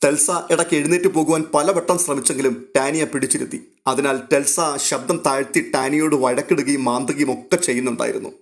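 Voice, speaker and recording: A man narrating a serialized novel in a steady, even storytelling manner. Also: mid-range voice, brisk, hardly any pauses.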